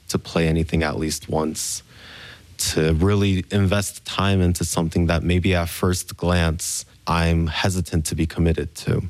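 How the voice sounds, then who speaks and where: A young man from Memphis speaks in a very deep, low voice, weighing his words with care. The sound is dry and close, with no room ring, as he answers questions in a radio studio. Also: a little mellow, no echo. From Memphis, Tennessee, USA. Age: young adult. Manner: measured, thoughtful explaining. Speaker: concert pianist. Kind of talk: reflective interview answers.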